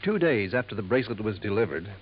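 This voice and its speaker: A smooth jeweler in a 1950s radio mystery, lowering his voice to share gossip. His tone is confiding and insinuating, set a bit low. The old broadcast is dull with a faint hiss. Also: big pitch swings, fast talker. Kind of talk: 1950s radio drama acting.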